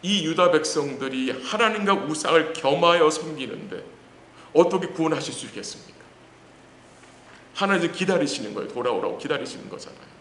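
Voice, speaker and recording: A male pastor with a slightly high, somewhat bright voice preaches at a midweek service in a church sanctuary. He poses rhetorical questions to the congregation and answers them himself, reading scripture slowly and deliberately. The recording carries the roominess of the church hall plus faint background noise.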